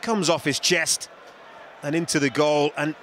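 A man giving measured football co-commentary, stressing key words by repeating them. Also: on the high side, steady tone, fairly bright tone, slight background noise. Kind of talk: football match analysis.

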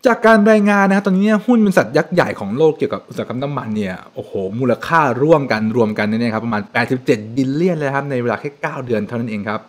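Young man, finance explainer, fast pace, very lively pitch, home room, close desk mic. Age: young adult. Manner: animated, chatty, frequent polite particles. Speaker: finance channel host. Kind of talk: casual explainer talk to camera. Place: home room with shelves, indoors.

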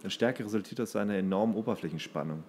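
Male podcast co-host, fairly low voice, casual conversation mixed with reading aloud. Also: quick pace, darkish tone, a little hiss or hum.

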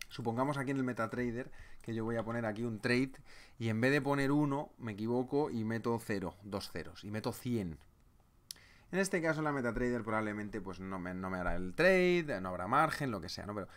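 A man's voice: mid-range voice, a bit bright. A man from presenting a live trading webinar, chatty, retelling stories and answering viewers' comments.

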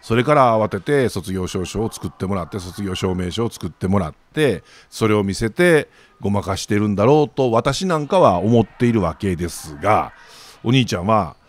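A man with a Kansai accent talks through the morning papers as a commentator, dropping jokey asides as he goes. His voice sits a little low but leaps around lively in pitch. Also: moderate pace. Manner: chatty, with jokey asides and laughs.

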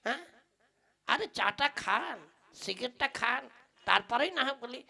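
A woman's voice: a little high, lively intonation, normal speed, creaky, pushed and bright, exaggerated voice. A woman playing a cheeky, greedy male tea seller who stalls and teases in an exaggerated comic puppet play. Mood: teasing, stalling. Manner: exaggerated, teasing, long-winded.

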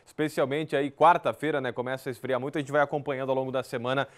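A man in his thirties anchoring live TV news from a studio, speaking in a relaxed, conversational way. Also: mid-range voice, rapid-fire.

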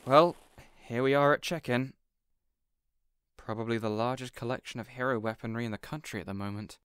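A man's voice: medium pitch, a little fast, fairly bright tone, clean tone, lightly acted. A man playing a considerate, awkward supervillain boss in an audio roleplay, conversational and a bit hesitant. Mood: businesslike. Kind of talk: audio roleplay drama acting.

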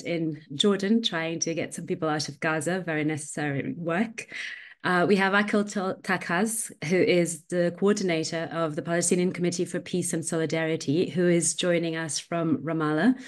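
A woman in her forties moderating an online roundtable from a home study, speaking in a friendly way with frequent ums. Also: low-pitched. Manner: friendly, uses filler "um". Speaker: panel moderator and lecturer. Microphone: earphones on video call.

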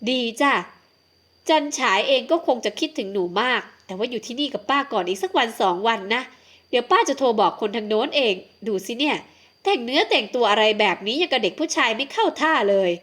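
A woman's voice: a little high, fairly bright tone. A woman voicing an elderly aristocratic aunt who is doting but bossy, in an audiobook. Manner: fussy, scolding, affectionate. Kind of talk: audiobook character voice.

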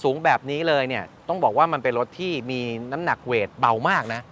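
A man's voice: mid-range voice, quick pace, a bit bright. A man hosting a casual review and interview, explaining things and checking back with his guest. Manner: explanatory, repeats and confirms the guest's answers. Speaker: host, motorcycle reviewer. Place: at a shop beside traffic. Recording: outdoor noise, vehicles behind.

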